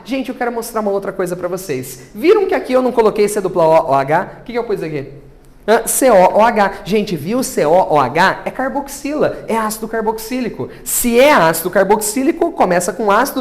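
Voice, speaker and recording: A man with a Brazilian Portuguese accent teaching a chemistry class, asking his students questions and then answering them himself. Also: high voice. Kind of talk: classroom lecture.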